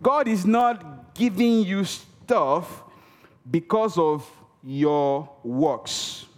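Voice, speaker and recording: A man preaching with a slightly high voice, hammering home key words with repetition. He calls on the congregation to answer him. His voice rings with a long reverb from a large church hall. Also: very slow. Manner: emphatic, repeats key words for effect; calls for audience response. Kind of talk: sermon.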